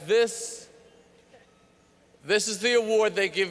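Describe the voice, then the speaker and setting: In a raised, projected voice with a bright, sharp tone, a man speaks at a fairly slow pace. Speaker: comedian. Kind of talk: award acceptance speech. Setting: stage at award ceremony. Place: stage. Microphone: podium.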